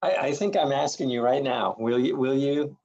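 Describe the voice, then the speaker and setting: A man's voice: mid-range voice, moderate pace, a little mellow, dull audio. A man chairing a public meeting by video call, agreeable and supportive, with hesitant fillers. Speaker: library official leading the meeting.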